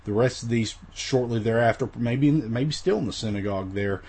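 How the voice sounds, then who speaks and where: A man's voice: mid-range voice, normal speed, darkish tone, husky. A man teaching a recorded Bible lesson in a casual, rambling way, with many fillers and restarts, his voice weak after the flu.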